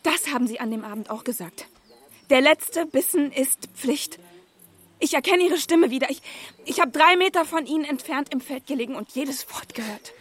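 Young eyewitness in a crime radio play, high voice, urgent and accusing. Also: female voice, lively intonation, normal speed. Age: young adult. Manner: urgent, confrontational. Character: earnest, accusing young female camp leader, eyewitness. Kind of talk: German audio crime drama acting.

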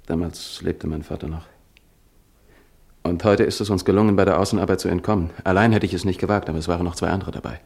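Radio play role: hunted, injured young student, gravelly and low, anguished and pleading. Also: male voice, fairly even intonation, fast, darkish tone, heavily acted. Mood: subdued. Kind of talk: German radio play acting.

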